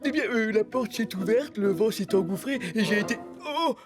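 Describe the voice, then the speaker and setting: A man's voice: sits high, expressive, normal speed. An actor voicing a friendly, clumsy male bookworm creature in a cartoon, hesitant and apologetic. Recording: studio voice over cartoon music.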